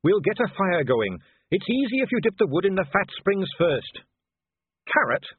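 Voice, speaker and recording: A man's voice: high-pitched, very animated, moderate pace, slightly rough, dry recording, voice pushed up, exaggerated voice. A man doing a cheerful, earnest young captain. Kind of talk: audiobook character voice. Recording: dry, narrow phone-like sound.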